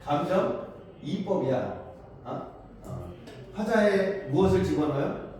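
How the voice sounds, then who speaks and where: A man's voice: high-pitched, big pitch swings, unhurried, a little mellow. A man teaching a class on Korean poetry, asking his students questions and answering them himself. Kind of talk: classroom lecture explaining poems. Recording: echoey room from far off, faint noise.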